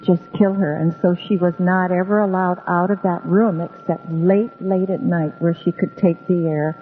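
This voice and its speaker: A woman's voice: on the low side, fairly even intonation. Woman, tinny radio sound. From Hawaii. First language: Hawaiian. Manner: unhurried, meandering with many ums. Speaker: guest storyteller. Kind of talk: relaxed radio interview storytelling. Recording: tinny phone-like radio with long reverb and faint music.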